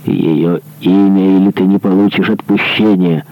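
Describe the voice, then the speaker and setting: Vengeful monk, male reader doing him low, slow and gravelly, quietly menacing. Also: steady tone, low-quality recording. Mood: stern demand. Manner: hushed, menacing and demanding. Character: stern, vengeful male monk, cold and relentless.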